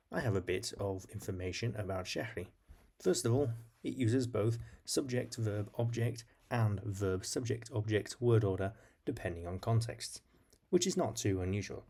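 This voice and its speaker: A man's voice: on the low side, a little mellow. A man hosting an educational video, reading scripted narration in an explanatory style. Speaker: video host.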